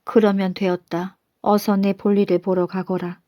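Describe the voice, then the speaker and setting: Woman doing a calm old minister. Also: medium pitch, moderate pace, no room sound, lo-fi sound, lightly acted. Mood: stern. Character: old male state minister, calm and humble.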